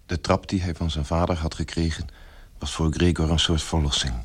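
A man's voice: very deep voice, flat delivery, brisk, husky. A man narrating a scripted radio play as its storyteller. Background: music.

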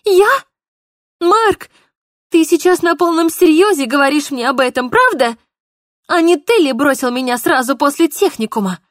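A woman voicing a distraught young woman who is crying and shouting in a high, shrill voice. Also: expressive, normal speed, no room sound, clean studio sound. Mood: furious.

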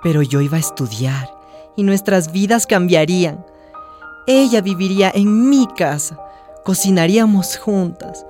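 An actress playing a warm, hopeful young trans woman who narrates her life in a radio drama in a confiding, emotive way. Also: on the low side, unhurried, soft background music, natural voice. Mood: wistful, reflective. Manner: confiding, emotive, sighing interjections.

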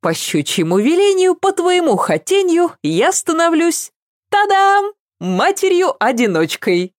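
A woman voicing an impulsive, emotional young woman in a read-aloud story, high and pleading. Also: very animated, unhurried, a little mellow, dry recording, clean studio sound. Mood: dramatic.

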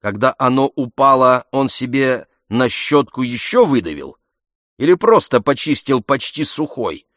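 A man narrating an audiobook in a measured, even storytelling manner into a close studio mic. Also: medium pitch, no room sound.

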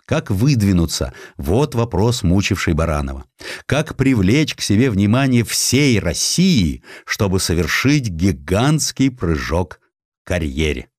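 A male narrator reads a dramatized history audiobook in a theatrical way. His voice is fairly low with animated, wide-ranging intonation, captured very dry and close. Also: unhurried, no echo. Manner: expressive, theatrical.

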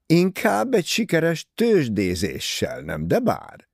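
A man's voice: on the high side, wildly swooping pitch, creaky, husky, dry recording, studio quality, voice pushed up, heavily acted. A man voicing a prim, disapproving older English mother in an audiobook, scolding and easily offended.

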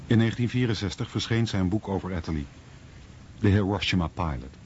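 Man, deep voice, scripted documentary narration, dull recording, faint noise. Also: fairly quick, darkish tone.

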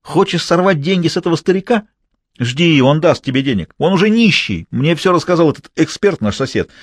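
Audiobook guy doing a hot-tempered jealous man yelling, kind of husky, dry room. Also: a little high, lively intonation, a little fast, no room sound, pitched above the performer's own voice. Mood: yelling, contemptuous. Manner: yelling, contemptuous.

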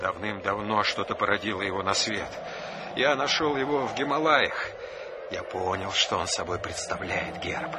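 A man's voice: fairly low pitch, lively intonation, moderate pace, very noisy, close to an everyday voice. A man acting in a radio drama as a haunted, stubborn man under siege, speaking with dramatic intensity. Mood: grim, haunted. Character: haunted, stubborn man besieged by a living wind.

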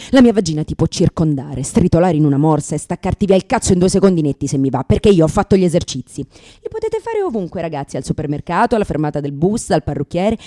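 Actress playing a brash, highly animated lesbian comedian. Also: female voice. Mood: exasperated, brash. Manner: sardonic, exclamatory, crude, self-mocking. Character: brash, neurotic lesbian comedian facing unexpected motherhood. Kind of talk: theatrical comic monologue for radio.

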